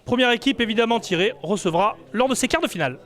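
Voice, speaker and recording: A man with a high-pitched voice runs a football cup draw. He talks casually and loosely, padding his sentences with fillers and small hesitations. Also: animated, fast talker, a bit bright. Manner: chatty, hesitant, many fillers. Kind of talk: casual live announcing.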